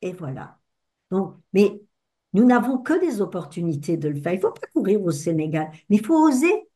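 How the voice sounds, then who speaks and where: Older woman, lively testimony, low voice. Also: normal speed. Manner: expressive storyteller who acts out the dialogue. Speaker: speaker at a talk with audience discussion. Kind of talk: personal testimony to an audience.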